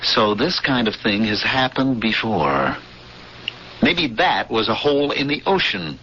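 An actor playing a haunted veteran spaceship pilot in 1970s radio drama, pleading and obsessive, with intense, halting, stammered repetitions. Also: male voice, fairly low pitch, very animated, pushed and bright, exaggerated voice. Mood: desperate insistence. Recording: dull, noisy old radio broadcast.

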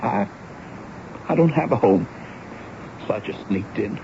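Earnest teenage runaway, old radio. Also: male voice, on the low side, lively intonation. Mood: sorrowful. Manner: emotional, imploring, halting. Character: earnest, pleading teenage boy, homeless Southern runaway. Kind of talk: 1970s radio drama acting. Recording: dull, noisy vintage radio broadcast.

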